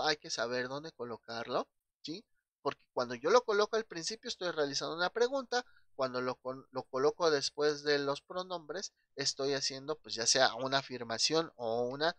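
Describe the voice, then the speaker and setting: A man's voice: fairly high pitch, pushed and bright, dry recording. A man with a Mexican Spanish accent teaching an English grammar lesson, patient and checking in often with his class.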